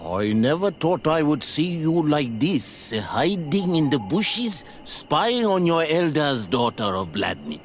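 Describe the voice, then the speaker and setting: A man acting a stern, solemn tribal elder and teacher in a video game, speaking in a measured, commanding way. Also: on the high side, sing-song, faint music behind.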